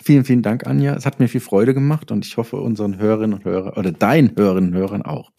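Mellow, low-voiced man chatting hesitantly. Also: steady tone, very fast, creaky. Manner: hesitant, searching for words as he goes. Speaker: interview guest, author. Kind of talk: casual chat.

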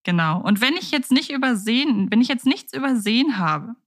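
A woman's voice: on the high side, expressive, a little fast. A woman co-hosting a podcast, talking in a chatty way and thinking aloud with fillers. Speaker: podcast co-host. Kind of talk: casual podcast discussion.

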